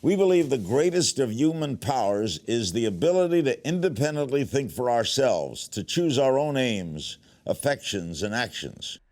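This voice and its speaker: Man reading a manifesto in mid-pitched voice. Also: sing-song, normal speed, darkish tone. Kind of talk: scripted inspirational reading of a manifesto.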